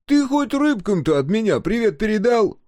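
A man's voice: medium pitch, big pitch swings, unhurried, darkish tone, no echo, clean studio sound, pitched above the performer's own voice. A man voicing a sly, grinning working man who jokes and explains things in a knowing, teasing way, in an audiobook. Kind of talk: audiobook character voice.

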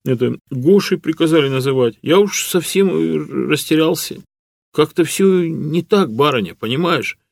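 A man doing a timid, high-voiced peasant serf. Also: expressive, moderate pace, vocal fry, darkish tone, no echo. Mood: bewildered. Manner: pleading, old-fashioned peasant speech. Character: simple-hearted young male serf, timid and grateful. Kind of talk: audiobook character voice.

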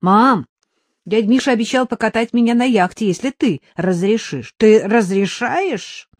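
Восторженный, нетерпеливый мальчишка, которого озвучивает женщина в аудиокниге тянет и упрашивает, голос звонкий и высокий, прыгает вверх-вниз. Запись сухая, без эха. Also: female voice, on the high side, expressive, unhurried, no echo, pitched above the performer's own voice. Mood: excited. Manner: pleading, insistent, gushing. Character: eager, excitable young boy.

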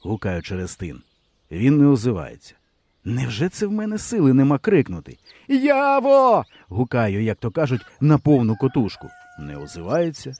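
A man reading a first-person novel aloud with expressive storytelling. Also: mid-range voice, normal speed, breathy edge, no echo. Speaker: audiobook reader. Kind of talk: audiobook narration.

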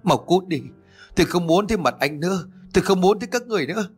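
A man voicing a frightened but fierce young woman, a grieving daughter in a horror story, high and sharp when she raises her voice. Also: fairly quick, slightly rough, faint music behind. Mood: furious.

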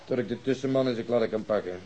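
An actor playing a bitter, bossy police detective in a radio drama, stern and cutting in manner. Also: male voice, mid-range voice, very fast, warm tone, muffled recording, natural voice. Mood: wry, grumbling.

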